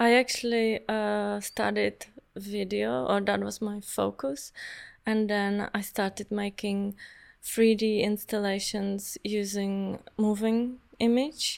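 A woman's medium-pitched voice with a Czech accent, at a very slow pace with ordinary pitch variation. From Prague, Czech Republic. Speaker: installation artist. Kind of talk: casual interview. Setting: artist's studio.

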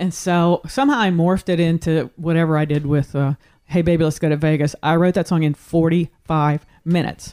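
With an American accent, a woman speaks at a fairly quick pace in an unremarkable speaking voice, fairly low in pitch, with a dry, close sound and no echo. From Pennsylvania / West Virginia, tri-state area. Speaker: country songwriter and singer. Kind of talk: casual interview. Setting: music room at her home.

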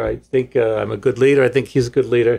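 A man with a plain, everyday voice, at a medium pitch and a fairly quick pace, in a very clean recording with a silent background. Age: 60s. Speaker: photography workshop instructor. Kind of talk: casual interview.

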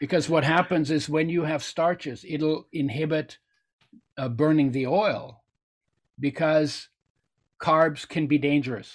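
Speaking with a German accent, a man uses a fairly high pitch and fairly even intonation, moving at a fairly slow pace with long, frequent pauses. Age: 70s. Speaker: nutrition expert on dietary fats. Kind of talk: interview.

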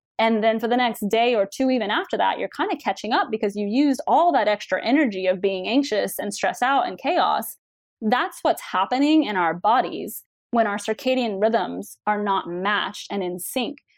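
With lively intonation and a fairly high pitch, a woman speaks in a plain, everyday voice at a moderate pace. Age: 30s. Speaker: equine bodyworker and health educator. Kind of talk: interview.

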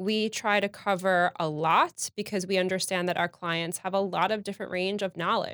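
Recorded with a dry, close sound and no echo, a woman with an American accent speaks at a moderate pace with fairly even intonation. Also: medium pitch for a woman, hardly any pauses. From New York City, Queens. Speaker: small business development director and food tour guide. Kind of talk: interview conversation.

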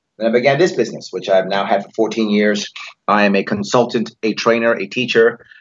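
A fairly quick pace with ordinary pitch variation. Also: man, medium pitch for a man. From New York City (Bronx, Long Island). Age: 50s. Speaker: political candidate. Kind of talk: interview. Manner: animated.

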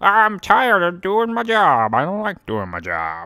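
A put-on character voice at a moderate pace. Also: man, high pitch for a man.

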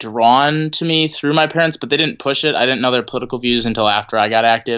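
Here a man with an American accent has an unremarkable speaking voice at medium pitch. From Wisconsin (Appleton, northeast). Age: young. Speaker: environmental activist. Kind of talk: interview.

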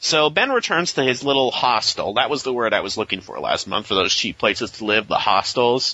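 With a normal speaking voice, a man talks at medium pitch and a fairly quick pace. His pitch varies in an ordinary way, and he hardly pauses. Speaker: podcast host. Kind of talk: casual chat.

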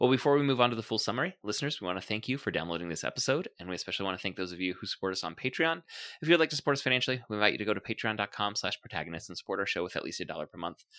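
Very fast and lively, a man with a fairly low pitch and a bright, sharp tone speaks on a very clean recording with a silent background and a dry, close sound with no echo. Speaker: podcast host. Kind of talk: casual discussion.

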